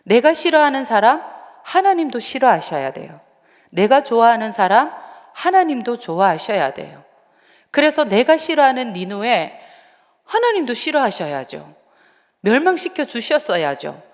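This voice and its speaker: A woman evangelist preaching a midweek sermon in a conversational, animated way, asking the congregation questions. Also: a little high. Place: church sanctuary. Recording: long church hall reverb.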